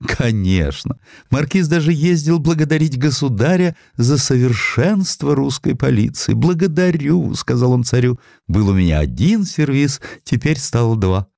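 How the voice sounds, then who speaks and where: A man's voice: medium pitch, animated, normal speed, creaky, mellow, no echo, clean studio sound, pitched above the performer's own voice. A man voicing an ageing, gossipy society widow who is sentimental and coquettish in an audio drama. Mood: nostalgic, gushing.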